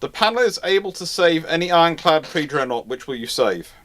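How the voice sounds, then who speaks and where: A man's voice: a little high, lively intonation, brisk, fairly bright tone. A man hosting a casual live panel chat, talking as a rambling enthusiast who stumbles and restarts mid-sentence. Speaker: host of a live naval history question-and-answer stream.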